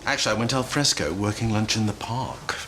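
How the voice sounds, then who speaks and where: An actor playing a pompous, theatrical doctor with a British accent in a naturalistic TV drama. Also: male voice, on the low side, fairly quick, noisy background, natural voice. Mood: breezy. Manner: theatrical, mock-indignant, wordy. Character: pompous, jokey new male doctor at a surgery.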